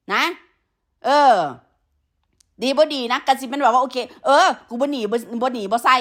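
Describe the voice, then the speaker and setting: A woman's voice: high-pitched, sharp tone. A woman with a northeastern Thai Isan accent, ranting angrily to her online viewers, scolding and insulting, tagging her lines with short "huh?" and "yeah" asides. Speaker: online content creator. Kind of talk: angry livestream rant to viewers.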